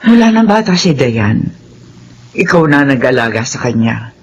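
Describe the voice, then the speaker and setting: An actress playing a wealthy mother who speaks calmly and thanks her family's maid in a TV drama. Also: a bass voice, lo-fi sound, a little hiss or hum, full character voice. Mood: earnest. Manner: calm, measured speech. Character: wealthy employer mother, humble and grateful. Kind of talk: TV drama acting.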